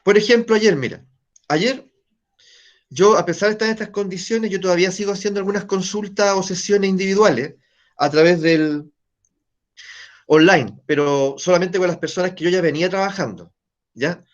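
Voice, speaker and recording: A man's voice: high voice, normal speed, dull audio. A man with a Chilean Spanish accent, giving a conversational lecture to students in an online class and checking in with them often. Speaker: teacher.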